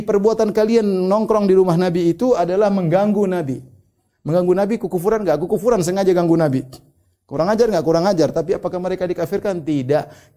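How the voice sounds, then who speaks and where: A man's voice: fairly high pitch, warm tone. A male Indonesian preacher giving a religious lecture, explaining terms and retelling stories with quoted dialogue. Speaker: Islamic preacher.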